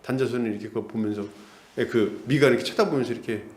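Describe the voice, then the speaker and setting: A middle-aged male pastor preaching an expository sermon, animated and acting out the characters. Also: mid-range voice, fast, echoey room, a little hiss or hum. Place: church hall.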